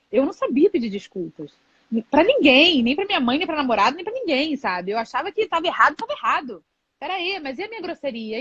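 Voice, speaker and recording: Candid woman, high voice, dull dry audio. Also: dry recording. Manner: reflective, candid, many filler "né". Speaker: live stream host, mother. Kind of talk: casual conversation on a live stream. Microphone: video call.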